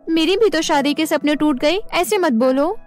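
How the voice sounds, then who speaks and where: A woman voicing an earnest, easily upset young new bride in an expressive cartoon storybook style. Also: high-pitched, moderate pace, faint music behind, close to an everyday voice. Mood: defensive, hurt. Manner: expressive, plaintive storybook dialogue.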